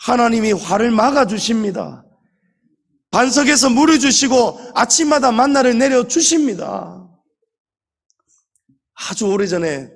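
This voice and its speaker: A male pastor preaching a Sunday sermon. He speaks emphatically, addresses the congregation directly and slows down to stretch key words. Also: high-pitched, gravelly.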